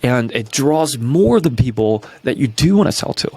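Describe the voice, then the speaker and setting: A man in his twenties from New York, breaking down marketing tactics as a coach, energetic and full of rhetorical questions, tagging "right?" onto nearly every point. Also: medium pitch, normal speed, breathy edge, no room sound. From New York, USA. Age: 20s. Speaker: YouTube business coach.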